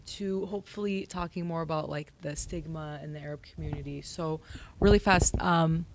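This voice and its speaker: Low-voiced casual woman guest. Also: moderate pace, slight background noise. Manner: casual, uses "like" often. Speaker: podcast guest. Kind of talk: casual panel chat.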